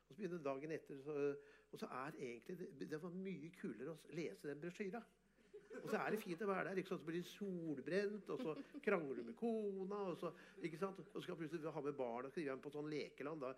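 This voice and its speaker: Guy, artist, bragging about his work, lots of energy and laughing. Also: on the high side. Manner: animated, boastful, bursts of laughter. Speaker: artist and photographer guest. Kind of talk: casual storytelling interview.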